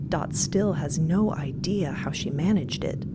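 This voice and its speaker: A woman's voice: deep voice, a little slow, heavy background noise. A woman reading scripted narration for a fiction podcast. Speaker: narrator and performer. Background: music.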